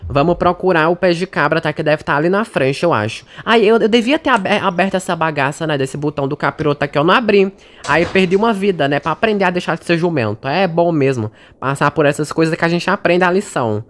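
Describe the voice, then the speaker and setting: A woman's voice: on the low side, animated, fast. A woman with a Brazilian Portuguese accent giving casual gameplay commentary, chatty and jumpy, talking to her audience and to the game characters. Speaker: gaming streamer.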